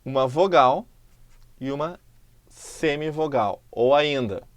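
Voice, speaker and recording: A man's voice: fairly high pitch, no echo. Brazilian man teaching in a dry room. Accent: Brazilian Portuguese. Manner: explanatory, stretches example words slowly and loudly. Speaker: Portuguese teacher. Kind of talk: recorded video lesson.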